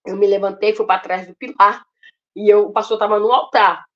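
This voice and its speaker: A woman's voice: medium pitch, fairly even intonation, normal speed. A Brazilian woman shares her personal conversion testimony in an emotional, storytelling manner, often turning to address her listeners directly. The recording sounds somewhat dull and lo-fi. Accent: Brazilian Portuguese. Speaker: testimony speaker at a ministry.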